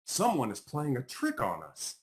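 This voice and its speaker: Man playing a blunt, animated storybook bear. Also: medium pitch, moderate pace. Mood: friendly. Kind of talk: picture-book character voice.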